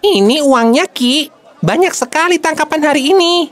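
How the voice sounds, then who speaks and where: A woman's voice: high-pitched, lively intonation, normal speed. A woman playing a jovial market fish trader.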